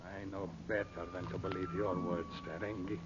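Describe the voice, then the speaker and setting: An actor playing a servile, superstitious Arab henchman in a 1940s radio drama, speaking haltingly and fearfully. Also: low-pitched, flat delivery, highs cut off, noisy background, natural voice. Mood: wary, ominous. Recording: band-limited 1940s radio recording with music.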